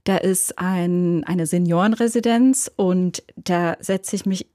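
A woman's voice: lowish voice, takes it slowly, mellow, no room sound, clean studio sound. A woman in her late thirties from Switzerland, a novelist answering interview questions thoughtfully, often affirming with small murmurs. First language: Swiss German. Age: 30s. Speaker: novelist guest. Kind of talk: radio interview.

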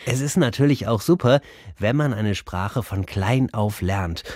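A man with a fairly low voice narrates a children's program in a dry, close-sounding recording. He explains things in simple, friendly terms for young listeners. His delivery is clearly scripted. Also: unhurried, darkish tone, no room sound.

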